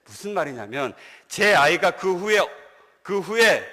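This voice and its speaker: Korean pastor preaching in a reverberant church. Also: male voice, high-pitched, a little slow. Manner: animated storytelling, asks the congregation questions. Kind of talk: sermon. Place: church sanctuary.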